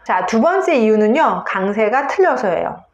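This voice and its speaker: A woman's voice: fairly high pitch, sing-song, normal speed, echoey room, lo-fi sound. A woman English teacher giving a video lesson on pronunciation, explaining step by step and saying example words aloud.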